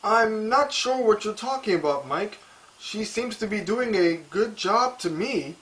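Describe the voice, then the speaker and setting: A man's voice: sits high, animated, measured pace, a bit bright, pitched above the performer's own voice, low-quality recording. A man playing a polished, reasonable, unbothered TV anchor in a news broadcast parody.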